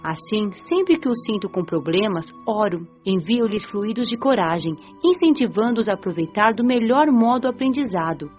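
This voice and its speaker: A compassionate young spirit, played by a woman with a Brazilian accent, narrates an audiobook in a mid-pitched voice. She is earnest and reflective. The recording is a little dull, with music beneath her. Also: big pitch swings, moderate pace, few pauses, a little mellow, natural voice. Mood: earnest, resolute. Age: young adult. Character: Patrícia, reflective, compassionate nineteen-year-old female spirit. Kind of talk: first-person audiobook narration.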